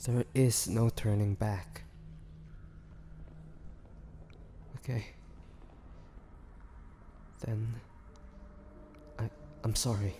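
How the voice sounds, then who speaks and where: A man voicing a starving, tormented vampire in a dramatic audio roleplay, speaking haltingly with breathy sighs. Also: on the low side, a little mellow. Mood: reluctant, resigned. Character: starving young male vampire, tormented, pleading, fighting bloodthirst. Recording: long echoing reverb, faint background noise.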